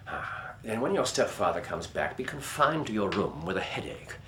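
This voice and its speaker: An actor playing a sharp, commanding middle-aged detective in a radio drama, precise and clipped. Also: male voice, fairly low pitch, sing-song, normal speed, a little hiss or hum.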